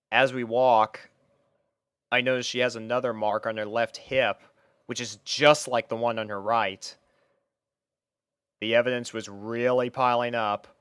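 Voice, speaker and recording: A young man narrates a first-person story from a script. His voice is smooth and clean, with a medium pitch, recorded close and dry. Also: fairly bright tone, no room sound.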